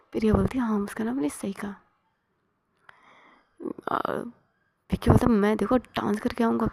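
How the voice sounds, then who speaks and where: A woman telling a romantic story in whispered role-play, voicing every character herself in a soft husky whisper. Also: a little high.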